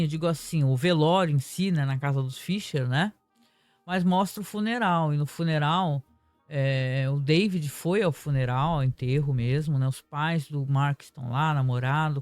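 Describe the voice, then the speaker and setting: A man, speaking high in his range, talks through a TV episode with animated indignation. The recording is close and dry, with faint music underneath. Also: no echo. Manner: animated, indignant, retells scenes with quoted dialogue. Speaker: series reviewer. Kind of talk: casual spoken episode review.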